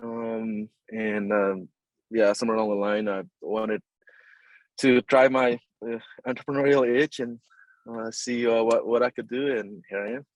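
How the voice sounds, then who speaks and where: A man's voice: lowish voice, steady tone, a little slow, no room sound, rough recording. Hesitant Nepal-born man with a dry sound. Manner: hesitant, many fillers and repeated words, polite "yes, sir". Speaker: construction company CEO, guest. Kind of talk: casual interview answers.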